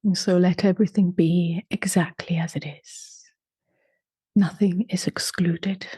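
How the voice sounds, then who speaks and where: A woman leading a guided meditation in a soft, unhurried voice that often drops to a half-whisper. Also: lowish voice, fairly even intonation, slightly rough, dry recording, clean studio sound. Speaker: meditation teacher.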